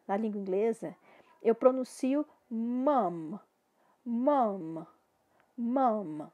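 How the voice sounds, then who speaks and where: A woman with a Brazilian accent teaching English pronunciation, slowly repeating words to demonstrate the sounds. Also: high-pitched, darkish tone. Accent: Brazilian Portuguese. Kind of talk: slow, deliberate lesson to camera.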